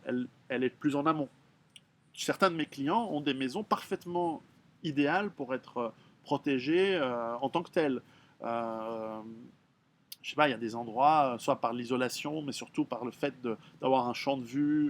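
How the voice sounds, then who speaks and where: A middle-aged Swiss man, an author, works through his readers' questions in a frank, blunt casual monologue, halting and restarting often. His voice sits at medium pitch, with a faint hiss or hum in the recording.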